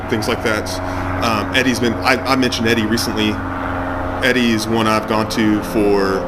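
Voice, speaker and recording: A man giving casual interview answers in a hesitant, halting, self-effacing way. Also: fairly low pitch, heavy background noise. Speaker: pipe channel creator being interviewed.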